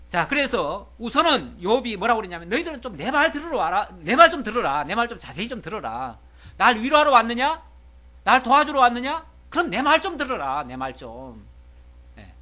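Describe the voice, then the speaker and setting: Middle-aged pastor guy preaching, bright forceful voice, jumps into pleading bits when quoting. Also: sits high. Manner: explains plainly, acts out Job's pleas with raised voice. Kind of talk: sermon, Bible teaching.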